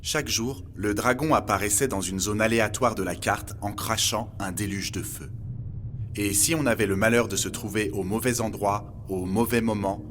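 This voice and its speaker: A man playing a polite robot guide in an audio documentary drama, speaking in a measured, formal way over music. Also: fairly low pitch, fairly even intonation, fairly bright tone, slight background noise, close to an everyday voice. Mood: measured, explanatory. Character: polite, earnest male robot guide recounting humanity's end. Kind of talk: scripted documentary fiction narration. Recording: music bed behind the voice.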